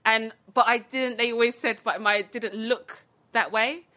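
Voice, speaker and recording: A woman with an Essex accent speaks in a bright, fairly high voice. She is bubbly and dramatic, telling anecdotes in loose, casual chat with a self-deprecating streak. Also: fairly even intonation, a little slow. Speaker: interview guest.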